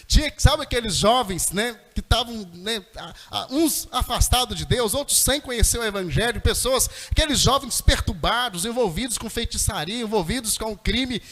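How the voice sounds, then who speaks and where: A middle-aged man preaches a fervent testimony in a very high, bright voice. He speaks straight to the congregation, and his words ring through a long, echoey church hall. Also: animated, moderate pace. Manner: fervent storytelling, addresses the congregation directly. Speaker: missionary preacher. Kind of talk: sermon testimony.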